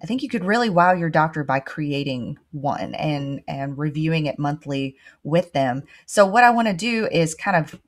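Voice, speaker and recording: A woman hosting an interview over a video call from a home office, asking measured questions. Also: sits low. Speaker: host. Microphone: webcam on a video call.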